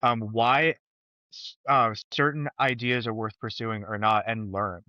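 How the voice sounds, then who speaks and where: Bright-toned man, slightly lo-fi. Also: mid-range voice, fairly even intonation, measured pace, dry recording. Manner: thoughtful, hesitant, many ums and restarts. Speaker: podcast guest, software developer. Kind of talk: casual podcast chat.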